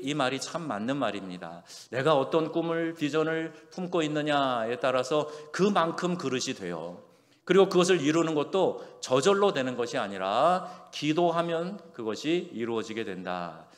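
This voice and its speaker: A male pastor preaching a sermon, animated, acting out the replies he quotes. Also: mid-range voice. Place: church sanctuary. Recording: long church-hall reverb.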